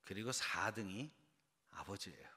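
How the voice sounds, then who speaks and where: A man from Seoul leads an early-morning sermon, putting quiz questions to the congregation as the sanctuary's long reverb rings out. His lowish, husky voice is animated yet measured in pace, with a bright, forceful tone.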